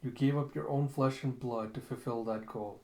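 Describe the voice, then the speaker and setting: A man's voice: mid-range voice, fairly even intonation, normal speed, a little mellow, echoey room, natural voice. A man acting an anguished, deranged killer, speaking with bitter, brooding melodrama. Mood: bitter grief. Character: anguished, deranged male killer, self-loathing and vengeful.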